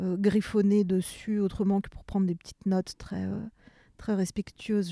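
A woman's somewhat breathy, dark, mellow voice at medium pitch, monotone and flat in intonation, at a moderate pace, with a dry, close sound and no echo. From Paris, France. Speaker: novelist and translator. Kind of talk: interview about reading. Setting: empty cinema hall.

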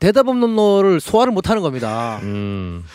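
Recorded very cleanly with a silent background and a dry, close sound with no echo, a man speaks at a fairly slow pace in a high pitch with very wide pitch swings. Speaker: band member interviewed. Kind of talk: interview and live music chat. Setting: studio.

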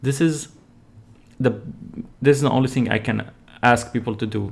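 A man with a Syrian accent and fairly even intonation. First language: Arabic. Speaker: comedian. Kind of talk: interview. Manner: halting.

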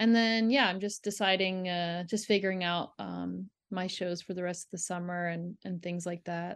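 Against a quiet background, a woman with a Canadian accent speaks in a plain, everyday voice at medium pitch and a moderate pace. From Ontario, Canada. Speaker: singer-songwriter. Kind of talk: interview.

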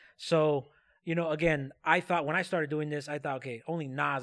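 With an unremarkable speaking voice, a man talks at a fairly quick pace with fairly even intonation on a very clean recording with a silent background. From born in Mexico, raised in US. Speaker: hip-hop blog editor and youth educator. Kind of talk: casual chat.

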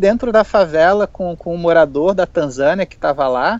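At a moderate pace, a man talks in a high pitch. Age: 30s. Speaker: cycle traveler and sociologist. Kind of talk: casual interview.

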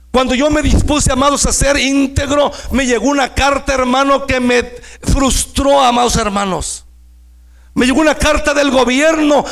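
With audible room echo, a man with an extremely high pitch speaks fairly slowly and with fairly even intonation. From Mexico, Nayarit. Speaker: preacher. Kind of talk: sermon.

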